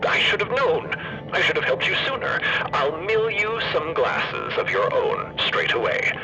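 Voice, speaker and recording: A man's voice: sits high, big pitch swings, a little slow, lo-fi sound, music in the background, heavily acted. A man playing an erudite, doting old inventor grandfather, verbose and theatrical in an audio drama. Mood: remorseful, tender.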